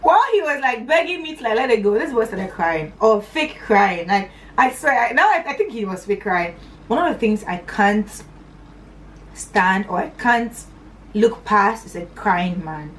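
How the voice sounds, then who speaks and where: A young woman from Northern Nigeria telling a personal story on her vlog in a chatty, animated way, her voice swinging up high and dropping to low asides. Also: normal speed, distant mic, slight background noise, low-quality recording. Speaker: vlogger.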